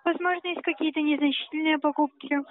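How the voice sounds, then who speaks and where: A woman's voice: high-pitched, fairly even intonation, quick pace, no room sound. A woman working as a bank telemarketer, formal, polite and persistent on a sales call. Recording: dry, tinny telephone line.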